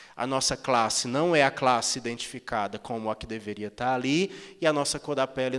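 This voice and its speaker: Against a quiet background, a man at a medium pitch talks at a very fast pace with fairly even intonation. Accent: northeastern Brazilian. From Brazil, Ceará (Fortaleza); Ceará, Brazil. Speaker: urban law researcher; speaker. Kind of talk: panel talk. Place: hall. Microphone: handheld.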